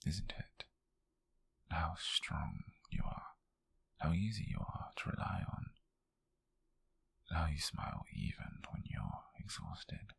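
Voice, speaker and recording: A British man playing an obsessive, possessive lover in a breathy, halting, intimate ASMR roleplay whisper, close to the microphone. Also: very deep voice, fairly bright tone, heavily acted. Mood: quiet, intense. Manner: slow, halting, intimate delivery with pauses. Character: obsessive, possessive man quietly fixated on his beloved.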